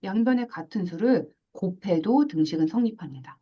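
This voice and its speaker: A woman teaching a math class, lively, asking questions and acting out little scenes. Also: medium pitch, brisk, highs cut off. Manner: animated, asks questions and acts out little scenes. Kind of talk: classroom lecture.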